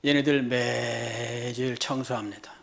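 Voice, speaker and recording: Speaking a little slowly with vocal fry and a level tone, a middle-aged man preaches as pastor. He alternates quiet low passages with loud high outbursts, repeating phrases and pelting the congregation with rhetorical questions.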